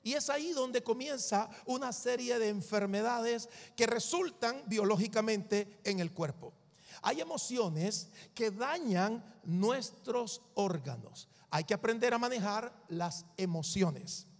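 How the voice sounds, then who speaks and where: A male preacher with a high voice delivers an emphatic sermon, repeating his points to drive them home. The voice rings with a long hall reverb. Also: lively intonation, slow. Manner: emphatic, repeats lists for the congregation.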